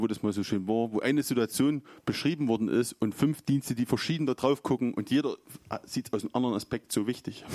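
A man's voice: mid-range voice, mellow, dry recording. A man preaching an informal sermon, chatty and storytelling, acting out quotes along the way.

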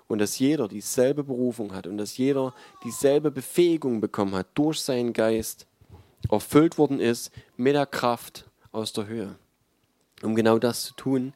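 Male preacher, dark mellow tone, dry close sound, conversational and emphatic sermon delivery. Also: mid-range voice, dry recording.

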